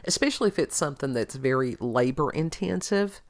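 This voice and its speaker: A middle-aged woman who sounds stuffed up, as though her nose is blocked. Her voice sits low but swings widely in pitch as she chats in a wry, storytelling way. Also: lively intonation, fairly quick. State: stuffy, congested. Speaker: podcast host. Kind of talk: casual chat.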